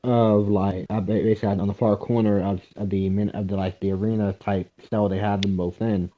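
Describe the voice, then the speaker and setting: Young guy cracking jokes and swearing, kinda low voice, muffled lo-fi audio. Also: level tone, brisk. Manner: loose, profane, joking. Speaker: reaction video host. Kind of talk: casual chat. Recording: dull lo-fi audio.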